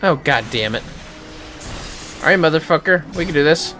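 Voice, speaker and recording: A man's voice: on the high side, animated, normal speed, bright, forceful tone. Casual sweary male streamer over music. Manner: sweary, rambling, talking to himself. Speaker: livestreamer. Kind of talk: casual gaming livestream chat with viewers. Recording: music playing behind the voice. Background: clear music.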